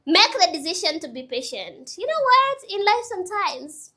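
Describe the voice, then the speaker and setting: Very animated and forceful, a young woman in her twenties speaks to her viewers at a moderate pace in a very high, bright voice. She gives earnest motivational advice to camera, repeating points and chatting in casual asides.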